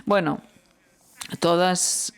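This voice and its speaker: An interpreter giving a live interpretation of a literary panel talk, halting, with many fillers and self-corrections. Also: mid-range voice, steady tone, creaky, clear, resonant tone.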